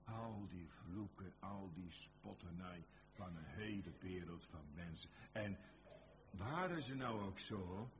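A man's voice: low voice, slow pace, noisy background. A man with a Dutch accent preaching a fervent sermon, repeating phrases and speaking back and forth with God. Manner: fervent, repetitive, dialogue with God.

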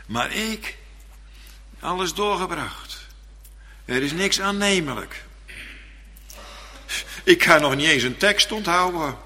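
A man's voice: fairly high pitch, expressive, slow, pauses often, pushed and bright, voice pushed up, exaggerated voice. A man voicing a humble churchgoer who pleads with the minister and doubts his own worth. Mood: pleading. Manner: pleading, self-deprecating. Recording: long church reverb.

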